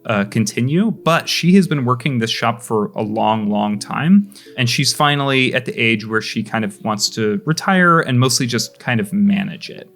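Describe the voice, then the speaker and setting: A man's voice: mid-range voice, expressive, normal speed, few pauses, fairly bright tone. A young man narrating as game master, casual, with restarts and lots of questions to the players. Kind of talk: narrating a tabletop role-play game.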